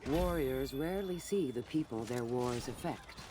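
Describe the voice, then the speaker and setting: An actor voicing a grave, seasoned knight who recounts his homeland's wars in measured, reflective game narration. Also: mid-range voice, lively intonation, noisy background, natural voice. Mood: solemn, reflective. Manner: measured, solemn, reflective storytelling. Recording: battle ambience and clatter behind voice.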